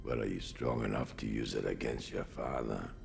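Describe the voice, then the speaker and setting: Putting on a character voice, a man talks while clear background noise is heard. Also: moderate pace. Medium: short film.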